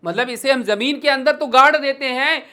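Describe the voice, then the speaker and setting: Teaching an online exam-prep class, an Indian-accented woman switches between Hindi and English, addresses students as "beta," and reads English poetry in a slow, rhythmic recital. Her voice is high-pitched and bright, with a forceful tone.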